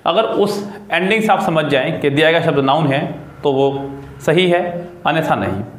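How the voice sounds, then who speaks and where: A man teaches grammar in a video lesson, in a voice pitched somewhat high for a man. He spells words out letter by letter and keeps asking his students questions. The recording has the echo of a bare room. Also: animated, moderate pace. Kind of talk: classroom-style video lesson.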